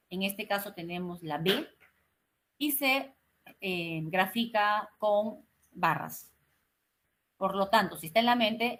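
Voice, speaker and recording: A woman teacher giving an online lesson, her voice at an ordinary middle pitch. She talks slowly and articulates each word with care, often pausing with small hesitations and checking that her students follow. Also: a bit bright. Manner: slow, carefully articulated explaining; frequent "¿no?" and "eh" fillers. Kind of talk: online class lecture. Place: home, online class.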